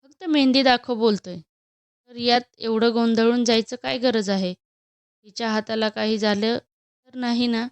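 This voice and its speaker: A brusque young male boss who fires off curt, demanding questions, voiced by a woman reading a storybook aloud. The voice is smooth and clear, pitched a little high, with a dry, close sound. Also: fairly even intonation, measured pace, no echo.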